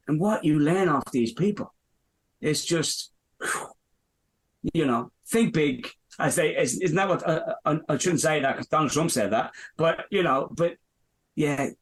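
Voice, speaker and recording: A man's voice: fairly high pitch, breathy edge, low-quality recording. A man in his fifties from Dublin with an Irish accent, a business owner answering interview questions in a rambling way, with many fillers and restarts. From Ireland. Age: 50s. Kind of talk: podcast interview.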